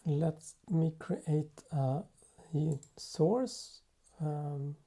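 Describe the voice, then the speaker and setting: A man presenting an unscripted software tutorial in a halting way, thinking aloud as he works. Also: on the high side, expressive. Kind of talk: unscripted software demo narration.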